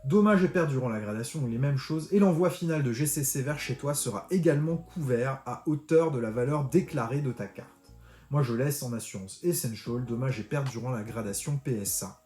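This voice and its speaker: A man's voice: mid-range voice, fairly quick, dark tone. A man talking a viewer through a step-by-step online tutorial, chatty and informal, addressing the viewer directly. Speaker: card-collecting tutorial host. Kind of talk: screen-recorded tutorial walkthrough. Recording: roomy echo with faint music.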